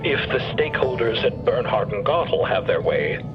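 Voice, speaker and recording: A man playing a thoughtful, courteous professor who talks formally and haltingly in an audio drama. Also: medium pitch, big pitch swings, close to an everyday voice. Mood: courteous, explanatory. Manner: formal, measured, halting between phrases. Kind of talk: narrative fiction podcast acting. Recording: dull sound under music bed.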